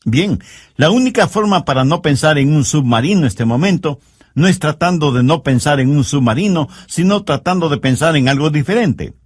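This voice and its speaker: A male preacher delivers a sermon with an earnest, pleading manner, his pitch rising and falling in lively swings. He stretches out the words he wants to land. The sound is close and dry, with no room around it. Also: breathy edge, no echo.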